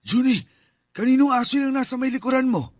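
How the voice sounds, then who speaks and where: A man's voice: extremely high pitch, brisk, no echo, clean studio sound. A man playing a dismissive uncle who sells fake herbal remedies in a radio drama. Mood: scolding. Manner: scolding, dismissive. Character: scheming uncle selling fake herbal cures. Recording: music underneath.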